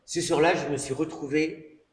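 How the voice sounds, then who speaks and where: A man's voice: fairly high pitch, steady tone, normal speed. A man preaching in an echoey church hall. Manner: conversational storytelling with many asides and fillers. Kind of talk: testimony sermon.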